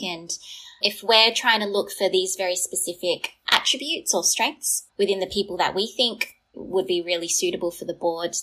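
A woman's voice: on the low side, fairly bright tone, husky, poor audio. An Australian woman, a startup founder, candidly telling her life story as a podcast guest in a thoughtful, reflective way. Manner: thoughtful, candid, laughs lightly at times.

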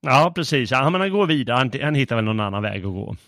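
Male podcast co-host, mid-pitched, amused retelling with frequent fillers, dry recording. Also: very animated, fairly bright tone, dry recording. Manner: amused, hesitant with many fillers. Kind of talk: casual chat about literature.

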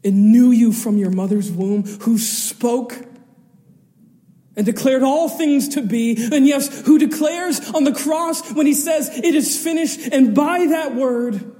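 A man's voice: very high voice, slow pace. A man preaching a sermon to a congregation as pastor, solemn, earnest and emphatic in his delivery. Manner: earnest and emphatic, swinging between raised and hushed delivery. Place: large reverberant church hall. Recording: long hall reverb.

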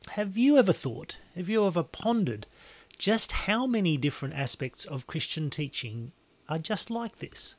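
A man hosting a podcast, talking with a hoarse, raspy voice in a wry, conversational way. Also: medium pitch. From Australia. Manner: wry, conversational, with throat clearing. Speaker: podcast host. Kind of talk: scripted solo podcast talk.

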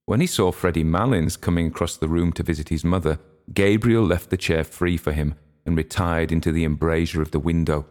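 A man reading a literary short story aloud in a measured, steady way. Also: low-pitched. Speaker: audiobook narrator. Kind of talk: literary narration.

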